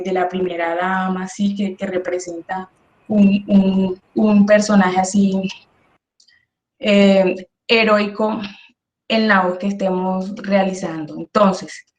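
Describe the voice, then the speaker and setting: A woman's voice: medium pitch, a little mellow, roomy sound, lo-fi sound. A woman teaching an online workshop, speaking with energy and emphasis and often checking in with her listeners. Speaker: workshop instructor.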